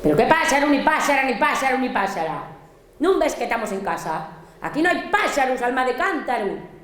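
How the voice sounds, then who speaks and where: A woman with an Asturian accent voicing a grumpy mother who briskly scolds her daughter in the morning. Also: sits high, big pitch swings, fairly bright tone, echoey room, slight background noise. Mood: scolding.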